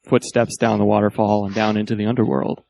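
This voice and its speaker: Male podcast panelist, lowish voice, conversational delivery. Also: level tone, fairly quick, vocal fry, a little mellow, low-quality recording. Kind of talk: casual discussion.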